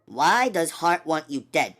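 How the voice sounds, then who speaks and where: A man voicing a weary, mysterious woman with angelic powers, speaking calmly and knowingly. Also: measured pace, exaggerated voice. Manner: calm, knowing, low-key. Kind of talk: audiobook character voice.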